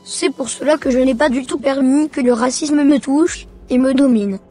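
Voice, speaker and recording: A woman's voice: high-pitched, normal speed, mellow, faint music behind, natural voice. A woman voicing a polite, earnest, devout young son in a Christian cartoon. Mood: earnest, respectful. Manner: earnest, respectful.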